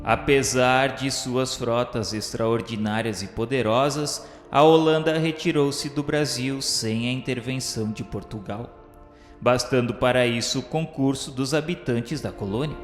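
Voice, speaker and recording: A man's voice: mid-range voice, a little slow. A Brazilian man reading solemn scripted narration for a radio drama in a formal, declamatory way. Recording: echoey reverberant hall sound, music underneath.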